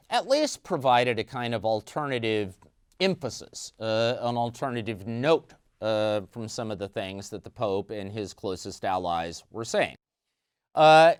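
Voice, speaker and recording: A middle-aged man giving measured news commentary, explaining church events with frequent "uh" fillers. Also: medium pitch, smooth, no echo, studio quality. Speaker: news analyst.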